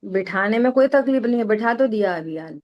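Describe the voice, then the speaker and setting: A woman's voice: mid-range voice, expressive, brisk, lo-fi sound. A middle-aged woman teaching a spiritual discussion, answering questions patiently with everyday examples and repeated phrasing.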